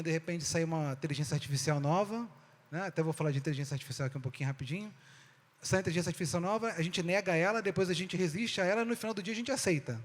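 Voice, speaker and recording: A Brazilian man with a slightly raised voice speaks on stage to an audience, his words ringing through a hall with a long reverb. He keeps it conversational, calls the crowd "gente" and keeps asking rhetorical questions. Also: high-pitched. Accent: Brazilian Portuguese. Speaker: speaker giving a talk.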